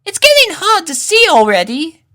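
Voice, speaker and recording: A man voicing an excitable, adventurous young colt pony in a storybook reading, with a boyish, eager, emphatic manner. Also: very high-pitched, moderate pace, pitched above the performer's own voice, full character voice. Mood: anxious, impatient.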